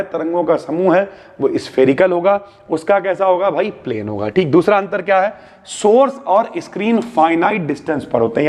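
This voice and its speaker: A male physics teacher giving an exam-prep lecture, chatty and brotherly, checking in with students and explaining through homely everyday examples. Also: high-pitched. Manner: chatty, calls students bhai and bhaiya, keeps asking ठीक है.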